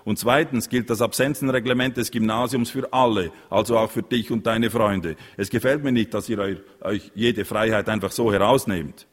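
A man acts out a sick father in an audiobook, short of breath and wheezing between stern lectures. The voice sits fairly low. A long reverb hangs behind it. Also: fairly even intonation, normal speed, hardly any pauses, natural voice. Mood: strained, stern. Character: ailing, stern middle-aged father, wheezing. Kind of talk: audiobook reading.

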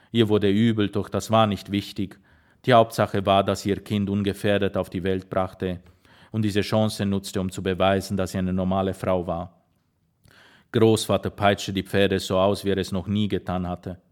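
A man narrating an audiobook in a measured storytelling manner. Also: low voice, little pitch movement, a little mellow.

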